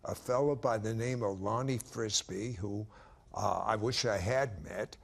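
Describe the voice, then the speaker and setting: A man hosting a Christian television interview, speaking slowly and emphatically and leaning on key words. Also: fairly low pitch, gravelly. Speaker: TV show host.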